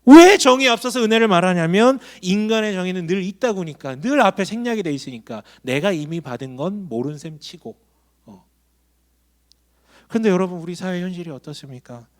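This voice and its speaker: A man's voice: high-pitched, expressive, a little fast. A man preaching a sermon to a congregation, emphatic and full of questions to the listeners. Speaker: pastor. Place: church hall.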